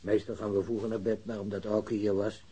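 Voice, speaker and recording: An older father, with a low, husky voice. He is homely and chatty, speaking in a soft-edged, mellow tone like an ordinary householder. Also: level tone, brisk. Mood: chatty, eager. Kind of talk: Dutch radio drama dialogue.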